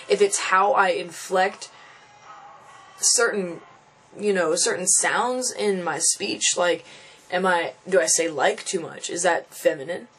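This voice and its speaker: This young transgender vlogger vents casually to the camera, frustrated and thinking out loud, frequently restarting and repeating phrases. His voice is high-pitched with a fairly bright tone, and the recording is rough.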